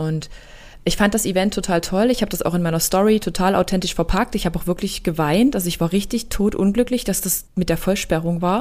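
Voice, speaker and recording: A plain, everyday voice moves at a fairly quick pace with ordinary pitch variation. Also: woman, medium pitch for a woman. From Dresden, Saxony. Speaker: podcast host, former police officer. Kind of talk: casual interview.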